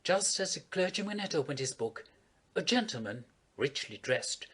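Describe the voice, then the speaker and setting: A man's voice: a little high, very animated, moderate pace, a bit bright, husky. A man narrating an old storybook tale as an audiobook, reading expressively.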